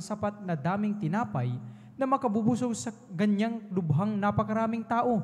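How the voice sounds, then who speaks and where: At a moderate pace, a man talks with a high pitch and lively intonation. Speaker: scripture reader. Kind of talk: reading aloud from the Bible. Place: church.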